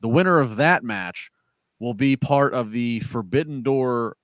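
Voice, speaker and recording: A man's voice: mid-range voice, unhurried, no room sound. A man hosting a casual wrestling podcast, rambling through a show recap with many fillers and restarts. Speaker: podcast host.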